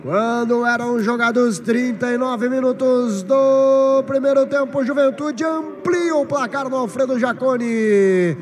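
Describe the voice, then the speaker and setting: A man giving excited football play-by-play commentary with long, drawn-out goal yells. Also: very high voice. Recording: distant broadcast sound with clear noise.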